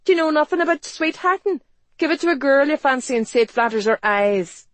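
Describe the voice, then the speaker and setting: A woman voicing a sharp-tongued, indignant young Irish street peddler in a storybook, scolding and cheeky. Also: sits high, moderate pace, no echo, pitched above the performer's own voice. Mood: scornful.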